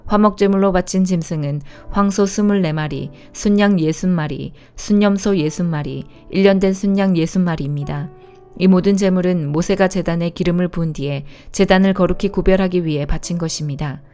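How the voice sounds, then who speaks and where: A woman reads scripture aloud in a calm, measured way. Her voice sits fairly low and sounds warm and mellow. Soft instrumental music plays faintly behind her. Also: clean tone. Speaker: Bible reader.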